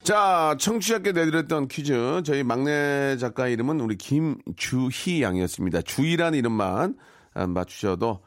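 A man's voice: medium pitch, expressive. A man in his forties hosting a radio show, joking and teasing his co-host and callers. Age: 40s. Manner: joking, fast, warm-hearted teasing.

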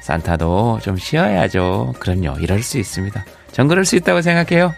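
With music in the background, a man with a lowish, creaky voice talks in a sing-song way at a fairly quick clip. He hosts a radio show in a studio using a studio microphone, bringing the Daegu-Gyeongbuk dialect of his hometown, Yeongcheon, South Korea, to relaxed chat, listener messages, and easy laughter.

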